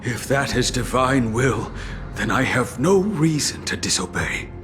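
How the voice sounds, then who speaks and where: A slow, fervent game voice whose pitch swoops widely, a devout tribal priest as a man acts him out. He stammers when shaken. Music sits behind him. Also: expressive, close to an everyday voice.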